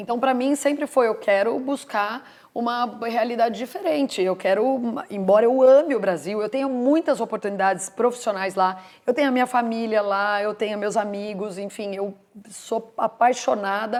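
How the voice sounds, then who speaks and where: This woman has an ordinary speaking voice with a fairly high pitch. She talks at a moderate pace, and her pitch varies in an ordinary way. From Brazil, São Paulo. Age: 40s. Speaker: podcast host. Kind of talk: podcast interview.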